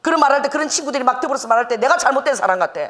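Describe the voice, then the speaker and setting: A middle-aged woman pastor preaching a sermon, animated, acting out the voices she quotes and laughing as she goes. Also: sits high, very fast.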